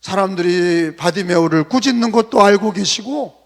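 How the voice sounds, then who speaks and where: A man preaches from the pulpit in an unusually high voice with a gravelly edge. He presses his point with rhetorical questions and sudden loud bursts. His words trail off into a long hall echo. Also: moderate pace. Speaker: pastor. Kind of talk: sermon. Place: church sanctuary.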